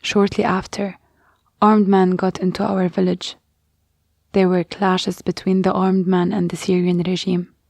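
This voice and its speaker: A woman reading a first-person testimony aloud in a slow, grave and measured way. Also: lowish voice, monotone, gravelly, a little mellow, no room sound. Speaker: reader of a monologue.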